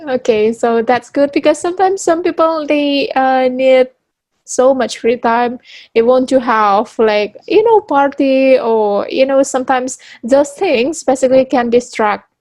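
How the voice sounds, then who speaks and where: Chatty, higher-voiced Indonesian woman. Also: unhurried, darkish tone, dry recording. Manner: chatty, rambling, full of "you know". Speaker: host, interviewer. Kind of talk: casual interview chat.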